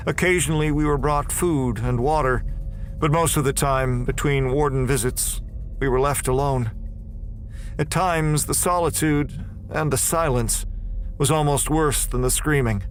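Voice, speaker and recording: A man's voice: a little high, steady tone, measured pace, soft background music. A man performing scripted, dramatic first-person narration for a horror audio drama.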